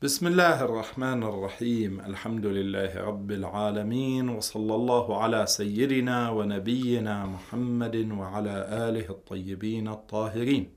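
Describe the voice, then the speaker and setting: A man's voice: lowish voice, moderate pace, hardly any pauses. A male Muslim cleric answering religious questions in formal Arabic, explaining and repeating his key points.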